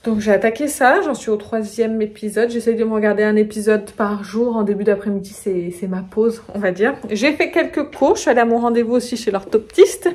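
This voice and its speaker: A woman's voice: a little high, brisk, few pauses, a little mellow. Chatty French woman vlogging at home. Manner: chatty, laughs often, many fillers. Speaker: beauty vlogger. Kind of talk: casual vlog chat. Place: home, indoors.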